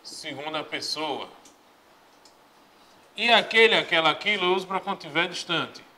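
A male Portuguese teacher giving a lively, joking grammar lesson that poses questions and then answers them. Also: on the high side, moderate pace. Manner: animated, joking, asks himself questions.

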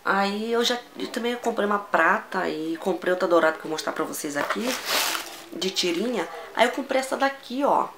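A Brazilian woman vlogging a casual shopping haul, gushing and excitable, repeating words as she shows each item. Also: mid-range voice, normal speed, noisy background. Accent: Brazilian Portuguese. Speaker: fashion vlogger.

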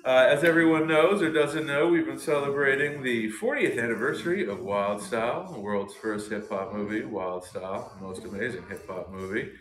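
A man in his thirties, hosting a casual product showcase of hip-hop jewelry and toys, talking with excited, slangy enthusiasm. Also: mid-range voice, moderate pace, hardly any pauses, reverberant, a crowd in the background. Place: small indoor room with shelves and posters.

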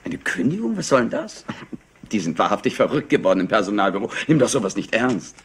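An actor playing an evasive, high-strung young business heir in a German crime radio play, smooth-talking and impatient. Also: male voice, big pitch swings, fast talker. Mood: smoothly evasive. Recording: noisy retro radio play.

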